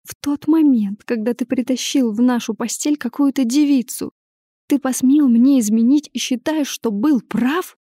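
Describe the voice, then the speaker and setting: A woman's voice: a little high, moderate pace, dark tone, husky, no echo, clean studio sound. A woman voicing a frightened but defiant young heroine, tearful and pleading.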